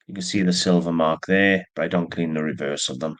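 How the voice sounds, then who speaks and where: A man's voice: sits low, steady tone, fairly quick, a bit bright. A man with allergies casually showing and describing the antique silver jewelry he sells, chatty with plain asides. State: stuffy with allergies, yawning. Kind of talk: casual show-and-tell narration.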